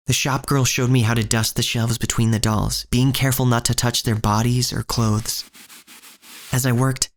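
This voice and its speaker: An actor playing an earnest, uneasy young shop boy, narrating his own story in a measured, literary way. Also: medium pitch, a little hiss or hum, natural voice. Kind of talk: first-person scripted narration in audio drama.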